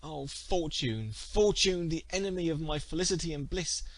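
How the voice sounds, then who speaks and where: A man's voice: a little high, moderate pace, no echo, pitched above the performer's own voice. A man voicing an anguished, vengeful young woman, wailing melodramatically in an archaic storybook tale. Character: anguished, vengeful young wronged woman lamenting her betrayal. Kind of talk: dramatic archaic storybook reading.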